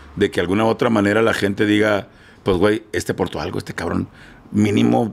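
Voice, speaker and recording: A man speaks with vocal fry at a fairly low pitch. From northeastern Mexico (Monterrey, Tamaulipas); northeastern Mexico. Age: 50s. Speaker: radio announcer. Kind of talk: casual interview chat. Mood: relaxed, joking, casual slang. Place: studio. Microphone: studio mic.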